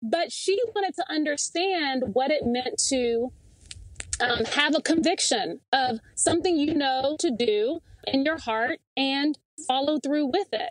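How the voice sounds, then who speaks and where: A woman with a Southern US accent and a high pitch speaks at a fairly slow pace with lively intonation. Her loudness stays very even, and the sound is dry and close with no echo. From US South. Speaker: pastor's wife and college administrator. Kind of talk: interview.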